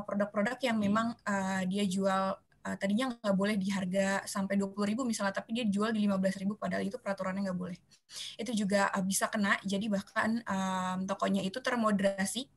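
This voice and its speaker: A woman with an ordinary mid-range pitch answers questions in a webinar. She explains seller rules and pauses often on "em" and "eh" as she works through each point. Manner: hesitant, many "em" and "eh" fillers. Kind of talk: webinar presentation.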